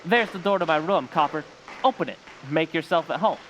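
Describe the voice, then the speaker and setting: A man's voice: a little high, animated, brisk, a bit bright, slight background noise, poor audio. A man playing a brash, defiant young suspect with slangy tough talk in an old-time radio drama. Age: young adult.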